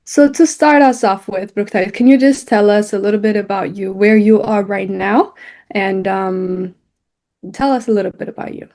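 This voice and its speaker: A woman with a middle-pitched voice hosts an interview. She sounds friendly and encouraging, asking questions with the odd um along the way. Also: normal speed, a little mellow. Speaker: interview host. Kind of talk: hosting an interview.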